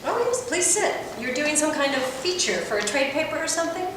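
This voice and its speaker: Brash female talent agent played by an actress, wry and theatrical, highish lively voice, for a radio-play style table read. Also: fairly quick. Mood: wry, probing. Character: brash, sardonic female adult-film producer and agent. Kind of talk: acted script read aloud. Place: echoey room at a table read. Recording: distant mic in echoey, noisy room.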